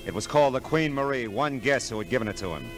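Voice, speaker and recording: A man's voice: medium pitch, expressive, fast talker, close to an everyday voice. Guy acting as hard-boiled radio private eye, wry and clipped, swings around a lot, old broadcast w music behind. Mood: terse narrating. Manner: clipped, wry, tough-talking. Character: hard-boiled male private detective, wry, weary, protective. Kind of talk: 1950s radio drama acting and noir narration.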